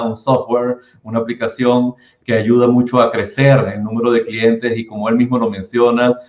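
A middle-aged man hosts an online panel with eager, talkative energy and a habit of fillers. His voice is medium in pitch. The audio is roomy and somewhat muffled, like a laptop on a video call. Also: darkish tone. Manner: enthusiastic, chatty, uses filler "este". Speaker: webinar host. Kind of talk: hosting a webinar panel. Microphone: video call, laptop mic.

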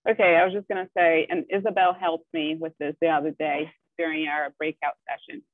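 A woman answering tentatively on a group video call, with many pauses and fillers. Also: low voice, flat delivery, dry recording. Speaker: participant. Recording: tinny phone-like call audio.

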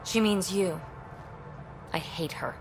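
A young alien adventurer, impulsive and guarded. Her voice sits fairly low, with a breezy, sardonic, conversational edge. It is video game dialogue with music underneath. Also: slow, vocal fry, rough recording. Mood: vulnerable, frustrated.

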